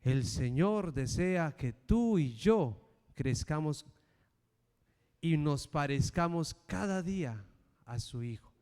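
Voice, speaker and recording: A middle-aged male preacher giving a sermon and telling a personal story with animated, acted-out voices. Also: on the high side, takes it slowly, smooth. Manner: animated storytelling, acting out the characters. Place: church. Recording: reverberant church hall.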